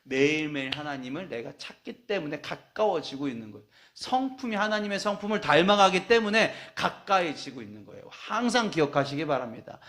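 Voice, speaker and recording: A man's voice: fairly high pitch, very animated, a little fast, hardly any pauses, fairly bright tone. A male pastor preaching a sermon, acting out quoted confessions and prayers in different voices.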